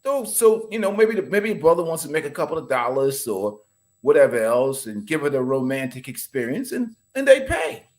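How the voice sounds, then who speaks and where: A man's voice: on the high side, normal speed. A man from the Bahamas, a podcast guest talking in an emphatic, opinionated, casual way. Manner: emphatic, animated, laughs while talking.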